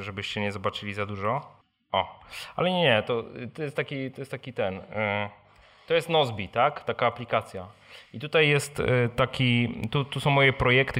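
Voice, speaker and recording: A man's voice: mid-range voice, fairly bright tone. A man hosting a live question-and-answer session, speaking informally and conversationally, often tacking on short tag questions. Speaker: blogger and podcast host answering audience questions. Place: live meeting in a room with an audience.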